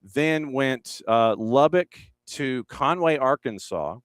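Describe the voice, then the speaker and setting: Smooth-voiced male radio host. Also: mid-range voice, animated, takes it slowly, no room sound, clean studio sound. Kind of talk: casual radio chat.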